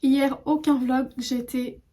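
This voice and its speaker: A woman's voice: sits high, flat delivery, slow pace, warm tone. A woman from France chatting casually to her phone camera in a hotel room, rambling with many fillers and restarts. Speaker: vlogger. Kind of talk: casual vlog chat to camera.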